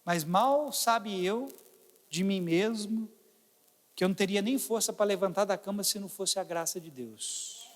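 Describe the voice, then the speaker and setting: A pastor with a Brazilian Portuguese accent preaches a sermon, swinging between loud exclamations and quiet asides. His voice sits high and moves a little slowly, with a big-room sound.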